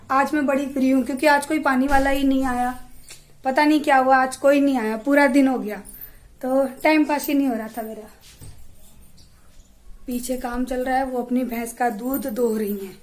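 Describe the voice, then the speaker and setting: Brief: young woman vlogger, bright high voice, chatty and animated, echoey room at home. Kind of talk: casual chat to camera. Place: at home, indoors.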